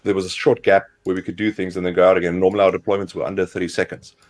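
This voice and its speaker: A man co-hosting a casual tech livestream, hoarse from a cold, explaining things in a rambling way with lots of fillers. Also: low-pitched, flat delivery, racing, darkish tone. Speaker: co-host.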